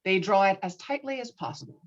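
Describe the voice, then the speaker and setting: A woman's voice: medium pitch, fairly quick. Woman narrating, slightly muffled sound. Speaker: stage-direction narrator. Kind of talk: scripted narration at a table read.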